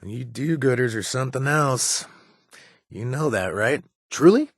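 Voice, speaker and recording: An actor playing a wry, hesitant former raider in a video game, with a husky voice and lots of fillers. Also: male voice, medium pitch, lively intonation, measured pace, dry recording, studio quality. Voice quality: husky, punning, easygoing. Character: wry former raider man, trying to stay clean. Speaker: companion character.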